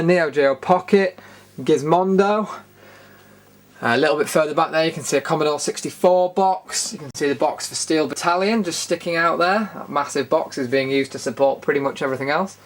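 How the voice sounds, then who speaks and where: A British man hosting a retro gaming show, casually narrating a room tour in an informal, rambling, enthusiastic way. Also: a little high.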